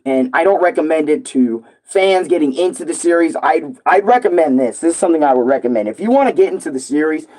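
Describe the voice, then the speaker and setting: A young man with a hoarse voice, a gaming streamer ranting casually and loosely to his viewers, swearing and rambling with lots of fillers. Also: on the high side, animated, quick pace, few pauses, darkish tone, poor audio.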